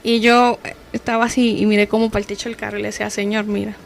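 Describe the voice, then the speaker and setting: A woman's voice: fairly high pitch, level tone, racing, gravelly. Earnest young Dominican woman telling testimony. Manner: earnest storytelling, acting out quoted dialogue. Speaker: guest giving testimony. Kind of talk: personal faith testimony on Christian radio.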